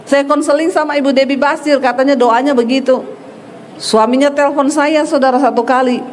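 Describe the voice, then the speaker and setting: A woman's voice: high-pitched, fairly even intonation, a little fast, a little hiss or hum. A middle-aged woman pastor preaching a sermon, telling stories and acting out quoted voices with blunt force. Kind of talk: sermon with storytelling. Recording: echoey hall reverb.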